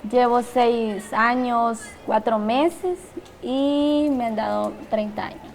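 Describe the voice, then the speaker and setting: A Salvadoran woman in her twenties speaking in an interview, in a quiet, reflective way. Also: a little high, takes it slowly, a little hiss or hum. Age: 20s.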